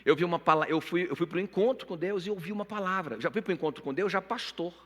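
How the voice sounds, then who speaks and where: A man preaches in a bright, ringing voice, his words trailing off into the long echo of a church auditorium. He is middle-aged and tells his own story with deep feeling, often calling out to the people in front of him. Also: fast. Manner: emotional storytelling, repeatedly addressing the congregation. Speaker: pastor. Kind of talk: sermon with personal testimony. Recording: long reverb of a church hall.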